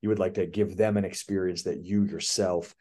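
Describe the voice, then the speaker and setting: A male athletic director, a guest on an interview podcast, with a somewhat low voice. He explains his ideas fluently and with conviction, building point after point. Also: steady tone, brisk, warm tone. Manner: confident, explanatory, speaks in flowing points. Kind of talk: casual interview answer.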